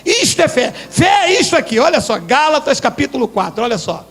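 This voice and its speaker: Shouting Brazilian preacher with a very high voice. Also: male voice, big pitch swings, fairly quick. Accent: Brazilian Portuguese. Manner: preaching with frequent shouting and playful asides. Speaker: pastor. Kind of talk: sermon.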